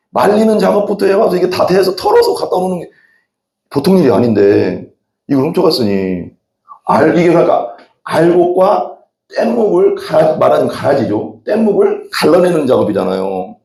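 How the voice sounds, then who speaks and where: A man's voice: mid-range voice, dark tone. A middle-aged man preaching a sermon as a pastor, telling rambling folksy stories from the pulpit. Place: church sanctuary. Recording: echoey church hall.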